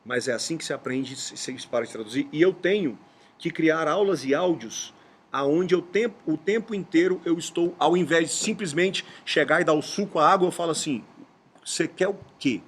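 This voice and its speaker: Brazilian father, slow emphatic teacher. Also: fairly high pitch, breathy edge. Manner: explanatory, storytelling with emphatic slow stresses. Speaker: podcast host and English teacher. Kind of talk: casual podcast chat.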